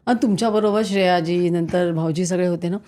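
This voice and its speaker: A woman's voice: lowish voice, fairly quick, mellow. A woman with a Marathi accent hosting a podcast, asking short prompting questions in a casual interview. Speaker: podcast host.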